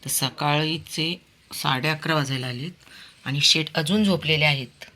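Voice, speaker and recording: Dog-owner vlogger, woman, chatty and affectionately scolding, bright tone, phone mic. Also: sits low, a little slow. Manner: chatty, fondly scolding and coaxing her dog. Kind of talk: casual pet vlog commentary. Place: outdoors on a walk, later at home.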